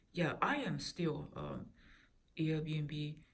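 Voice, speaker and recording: A somewhat breathy woman's voice with a Japanese accent at a very slow pace. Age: 40s. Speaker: YouTuber and Airbnb host. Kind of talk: casual vlog monologue. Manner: halting, many fillers.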